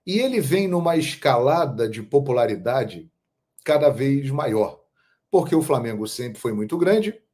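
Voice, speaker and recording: A man from Brazil hosting a football channel, telling stories in a measured, emphatic monologue. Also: mid-range voice, expressive, a little mellow. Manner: measured, storytelling, emphatic on key phrases. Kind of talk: casual monologue to camera.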